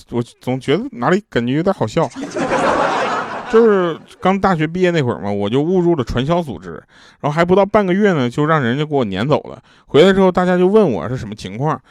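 A man's voice: a little high, sing-song, fast talker, no echo, studio quality. A man telling jokes and funny anecdotes in a chatty way, laughing at his own punchlines. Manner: casual slangy asides to the listener.

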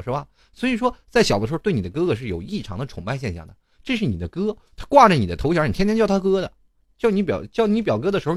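A young man tells stories in a comedic monologue. His pitch leaps and dips in a very animated way, and he throws in rhetorical asides and chuckles as he goes. His voice sits dry and close, with no room sound. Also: no echo. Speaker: host.

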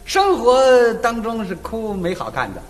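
A man performing a crosstalk comedy routine as the lead teller, talking in a lively storytelling way. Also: very high voice, a little slow. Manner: lively storytelling with mimicked opera wails. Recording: reverberant stage hall.

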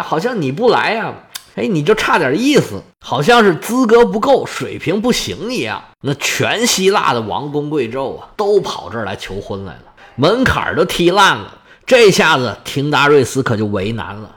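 A man telling a story in a casual, chatty narration, animated and full of drawn-out particles. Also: a little high.

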